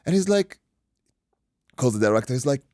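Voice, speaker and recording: A man from Iraq, a boxing coach and guest, telling an animated story in casual chat, acting out quotes and swearing freely. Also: mid-range voice, moderate pace, dry recording, clean studio sound.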